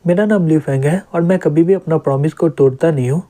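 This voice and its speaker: A man voicing a calm young male city lord in a plainly read comic recap. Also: a little high, fast, lightly acted.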